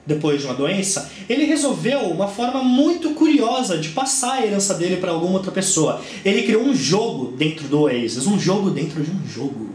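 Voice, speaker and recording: A man's voice: sits high, sing-song, brisk, few pauses, a little mellow, roomy sound. A young man in his twenties with a Brazilian Portuguese accent, chatting enthusiastically through a casual book review. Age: 20s.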